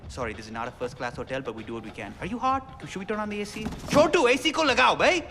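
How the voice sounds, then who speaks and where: An actor playing an excitable, chatty young rebel radio DJ in a video game, with a South Asian accent and theatrical, slangy, rambling talk. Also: male voice, high voice, fast. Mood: hospitable, flustered. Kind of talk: game cutscene acting with radio patter. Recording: music behind, long reverb.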